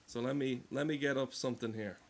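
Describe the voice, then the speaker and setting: A man giving casual gameplay commentary in a deadpan, mock-solemn manner. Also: mid-range voice, fast talker. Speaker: gameplay streamer. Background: game music.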